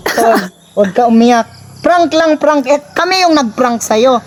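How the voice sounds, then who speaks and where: A man's voice: extremely high pitch, a little slow, background noise. A man vlogging a prank, scolding someone in mock anger and then coaxing and apologizing. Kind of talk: casual prank vlog.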